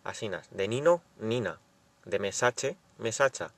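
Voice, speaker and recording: A man with a lowish, animated voice narrates a scripted language lesson a little slowly. He carefully reads out rules and example words.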